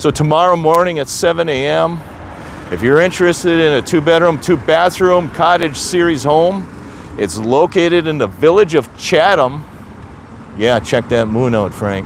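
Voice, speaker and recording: Over noticeable background noise, a man with a Wisconsin accent talks in a fairly high pitch with lively intonation. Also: moderate pace. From Wisconsin, Manitowoc County. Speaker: livestreamer and open house video maker. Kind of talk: casual live stream chat. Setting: outdoors, walking by a lake.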